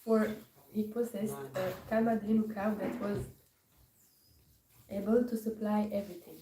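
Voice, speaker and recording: A woman from Morocco gives a scripture class, pausing often and searching for her words. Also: medium pitch, steady tone, mellow. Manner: hesitant, searching for words with many pauses. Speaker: class speaker. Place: temple hall. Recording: echoey hall from far off, faint noise.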